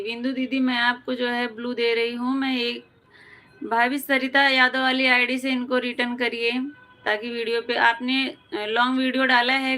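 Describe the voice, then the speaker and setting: Hosting a live stream, a woman from Uttar Pradesh, India chats casually, greeting viewers by name and replying to their comments. Her voice is fairly high, bright and pushed.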